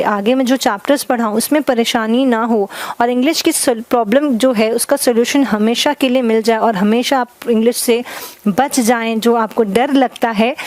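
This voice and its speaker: A woman with a fairly high voice teaches a grammar class. She goes slowly and keeps checking that her students follow. The sound is close and dry, with no room echo. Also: a little mellow. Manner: explains slowly with many checks of understanding; mixes Hindi and English. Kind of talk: classroom lesson.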